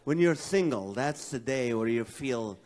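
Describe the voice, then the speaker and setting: A middle-aged man doing stand-up comedy, telling self-mocking stories in an animated way. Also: medium pitch, measured pace.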